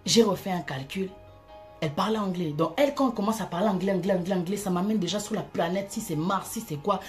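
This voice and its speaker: A woman telling an animated, emphatic personal testimony in a casual way. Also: on the low side, quick pace, faint music behind. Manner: animated, emphatic, breaks into laughter. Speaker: Christian vlogger.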